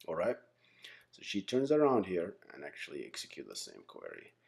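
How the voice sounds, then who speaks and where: A man presents an informal software lesson in a conversational way. His pitch moves around a lot, giving an animated delivery, while the tone stays relaxed and mellow. He often tags his points with quick check-ins to the listeners. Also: vocal fry. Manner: conversational, often checks in with "right?", "okay?", "guys". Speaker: software engineering instructor, channel host.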